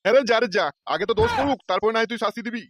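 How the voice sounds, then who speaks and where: A man voicing a cranky, sharp-tongued old grandfather who scolds sarcastically in a comedy cartoon. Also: very high-pitched, very fast, no room sound. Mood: angry scolding. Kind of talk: comic cartoon dialogue.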